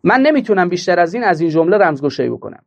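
A man's voice: high voice, very animated, vocal fry, muffled recording. A man delivering a political commentary monologue, emphatic and mocking, full of rhetorical questions.

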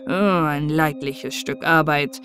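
A woman voicing a stately old male master sculptor in an audiobook fairy tale, speaking slowly in a cold, measured way. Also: low voice, fairly bright tone, faint music behind, pitched below the performer's own voice.

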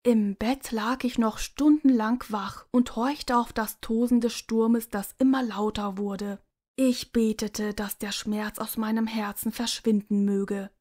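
Woman narrator for a first-person story read; slightly high, mellow voice, very unhurried delivery. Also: steady tone.

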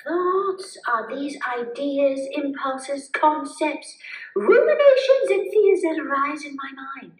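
A woman voicing an earnest, cheerful puppet who gently guides others through mindfulness in a live puppet show. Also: sits high, lively intonation, slow pace, far from the mic. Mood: explaining. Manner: soothing, instructive, enthusiastic. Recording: roomy sound from afar.

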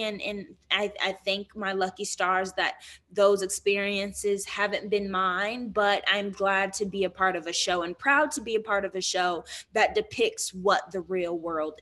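Young woman, earnest, animated, frequent ums and restarts, mid-pitched voice, laptop mic on a video call. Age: young adult. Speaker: guest actor. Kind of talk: remote interview.

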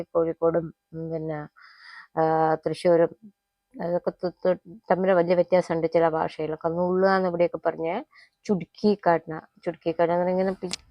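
Low-voiced woman teaching phrases slowly. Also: no echo, lo-fi sound. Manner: repeats phrases slowly, then explains quickly. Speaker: Hindi teacher. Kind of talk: spoken language lesson.

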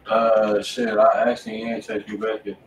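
A man's voice: on the low side, completely flat delivery, normal speed. An American man giving blunt, slangy, casual commentary as co-host of a livestreamed music review. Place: indoor home studio. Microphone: distant from the speaker. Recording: echoey, distant, noisy studio room.

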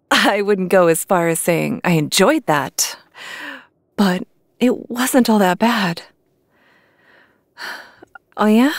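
A woman acts out a devoted female vampire hunter in an intimate ASMR roleplay. She speaks slowly and softly, with hesitant, earnest pauses. The voice is close on the mic and very dry, at a middling pitch. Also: no echo. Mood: gentle. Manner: hesitant, pleading, soft confessional delivery with pauses. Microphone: close microphone, dry recording.

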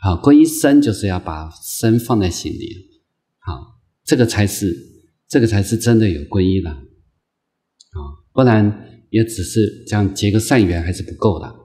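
A man lecturing as a Buddhist monk, his voice low and warm, never sharp. He circles back over the same phrases and moves through the talk patiently, filling gaps with soft drawn-out sounds. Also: animated. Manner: gentle, repetitive phrasing with many drawn-out "ah" fillers; slow, patient, coaxing delivery. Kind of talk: unscripted dharma lecture.

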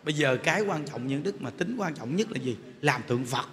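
A man's voice: mid-range voice, expressive, brisk. A man, a Buddhist monk, giving a casual, anecdote-filled Dharma talk, often laughing and turning to his listeners. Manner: chatty, laughing often, turning to the audience with "quý vị". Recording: long hall reverb with faint noise.

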